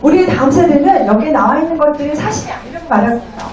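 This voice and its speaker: A woman interpreting a lecture phrase by phrase in a polite, formal, somewhat halting way. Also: sits high, animated, muffled recording, crowd noise. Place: echoey indoor venue. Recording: very echoey, distant room.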